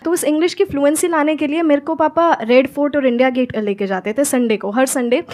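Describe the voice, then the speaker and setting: High-voiced young woman speaker mixing English. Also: a little mellow. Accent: Haryanvi Hindi. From Haryana, India. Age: 20s. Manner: mixes Hindi with clear, slow English phrases. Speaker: motivational speaker and English teacher. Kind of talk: stage conversation with audience questions.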